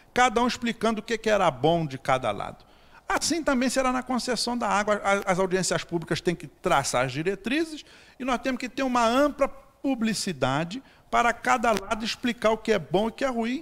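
Very wide pitch swings at a moderate pace. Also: man, extremely high pitch for a man. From Brazil, Teresópolis (Rio de Janeiro state); Rio de Janeiro state, Brazil. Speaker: city councillor; council guest. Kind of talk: TV interview. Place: studio. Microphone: handheld.

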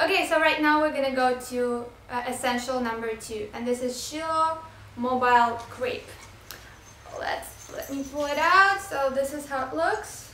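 A raised, projected voice comes at a moderate pace with ordinary pitch variation, with audible room echo and light background noise. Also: woman, high pitch for a woman. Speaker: vlogger and new mother. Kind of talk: product review vlog. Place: home room. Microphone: camera far.

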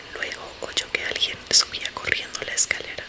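A woman whispers, soft-spoken and fairly slow. Loud background noise runs underneath. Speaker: storyteller. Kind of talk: audiobook-style story reading. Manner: soft ASMR whisper, storytelling.

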